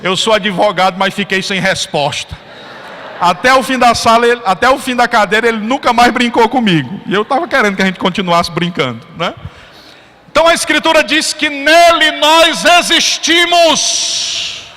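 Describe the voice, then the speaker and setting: A man preaching a sermon as a pastor, telling a story and rising into fervent, shouted praise. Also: very high-pitched, normal speed. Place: church. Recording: church hall reverb, faint ambience.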